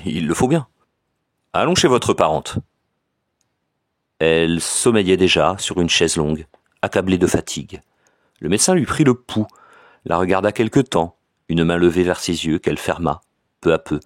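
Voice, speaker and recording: A man reading a classic short story aloud as an audiobook, in a measured, expressive narration. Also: low voice, dry recording, studio quality. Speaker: audiobook reader.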